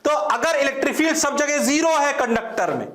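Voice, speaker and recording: Indian man, physics lecturer, theatrical, high voice, classroom with echo. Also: sing-song, brisk, fairly bright tone. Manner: theatrical, answers his own questions in a student voice. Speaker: physics teacher.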